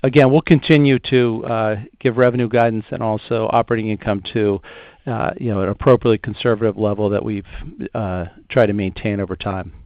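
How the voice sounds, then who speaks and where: A man answering analysts on an earnings call as a finance executive, in a halting, measured way. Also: on the low side, fairly even intonation, dry recording. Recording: muffled conference call audio.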